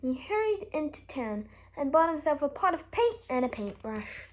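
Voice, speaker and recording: High-pitched, very animated woman reading a storybook. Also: normal speed, rough recording. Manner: expressive, emphatic storytelling. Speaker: story reader. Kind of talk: children's storybook read aloud.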